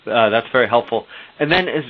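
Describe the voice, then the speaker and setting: A man's voice: mid-range voice, lively intonation, fairly quick. A man asking questions as a financial analyst on an earnings call, politely and tentatively rephrasing as he goes. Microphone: telephone. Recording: narrow phone-line sound.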